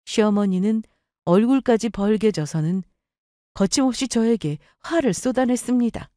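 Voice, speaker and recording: Calm woman reading out a story, mellow warm tone, dry close sound. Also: on the high side, no room sound. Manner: calm, measured. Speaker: narrator. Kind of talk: scripted first-person story narration.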